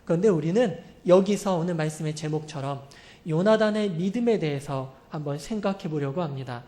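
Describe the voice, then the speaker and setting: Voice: mid-range voice, fairly quick. A pastor preaching a sermon who retells a story vividly, asks the congregation questions, and acts out the characters' lines. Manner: animated, acts out quoted speech.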